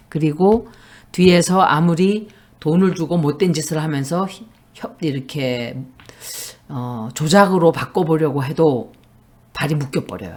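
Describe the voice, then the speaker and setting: Low-voiced woman reading tarot. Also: a little mellow, slightly rough. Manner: blunt, emphatic predictions. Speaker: tarot reader.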